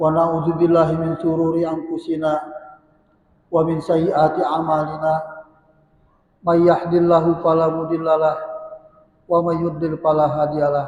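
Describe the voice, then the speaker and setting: A man speaks at a fairly slow pace with a fairly high pitch. His intonation is monotone and flat. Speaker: Friday preacher (khatib). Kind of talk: Friday sermon opening in Arabic.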